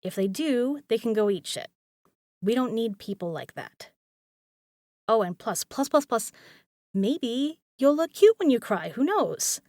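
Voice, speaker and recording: A woman's voice: on the high side, very animated, unhurried, darkish tone, no room sound, clean studio sound. A woman acting a caring, teasing young roommate in an intimate audio roleplay, speaking casually with playful emphasis and some swearing. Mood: playful, reassuring.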